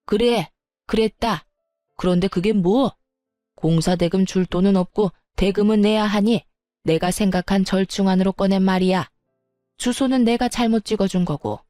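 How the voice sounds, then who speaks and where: A woman's voice: medium pitch, steady tone, normal speed, warm tone, no room sound, clean studio sound, soft background music, natural voice. A woman doing a scolding, stubborn mother-in-law. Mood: defiant, scolding. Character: stubborn self-righteous older mother-in-law.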